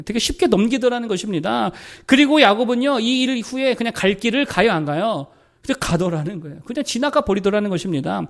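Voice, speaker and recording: Animated high-voiced male pastor preaching. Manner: asks the congregation rhetorical questions, animated swings of pitch and volume. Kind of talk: sermon. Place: church sanctuary.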